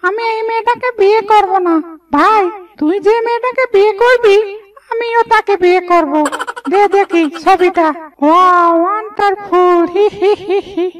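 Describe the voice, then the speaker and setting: A woman's voice: very high-pitched, steady tone, normal speed, far from the mic. A woman voicing a childish, dim-witted young male bird groom in a cartoon, whiny and exaggerated. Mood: stubborn, excited.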